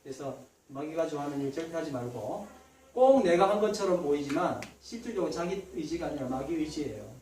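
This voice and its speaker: A man's voice: fairly high pitch, lively intonation, brisk, darkish tone, echoey room, far from the mic, low-quality recording. A man, a pastor delivering a Sunday sermon in a church, talking conversationally and putting questions straight to the congregation. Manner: conversational preaching, asks the congregation questions directly. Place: church sanctuary.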